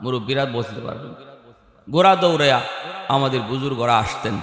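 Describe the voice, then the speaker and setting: A man's voice: expressive, fairly quick, fairly bright tone. Chanting preacher man, echoey hall. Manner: melodic, sing-song, swells into high chant. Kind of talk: chanted sermon storytelling. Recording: echoey hall with faint music.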